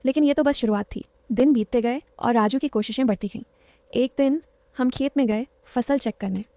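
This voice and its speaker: A woman's voice: a little high, normal speed, dark tone, dry recording. A woman narrating a story in the first person, in a confiding, dramatic way.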